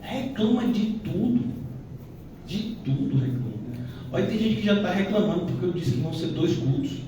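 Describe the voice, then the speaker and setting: A man's voice: high voice, expressive, a little fast, background noise. A male pastor teaching a Bible-study sermon in a conversational manner, dotted with "né?" asides. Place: church hall. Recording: echoey church hall, distant mic.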